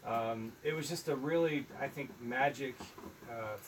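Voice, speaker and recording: Soft-spoken man on a distant phone mic. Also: medium pitch, unhurried, a little hiss or hum. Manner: soft-spoken, thoughtful, with many ums. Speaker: film producer, guest. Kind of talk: casual live video chat.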